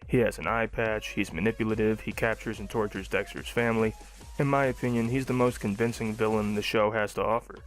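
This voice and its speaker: Low-voiced young man reviewing cartoons. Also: steady tone, fairly quick. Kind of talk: scripted review narration.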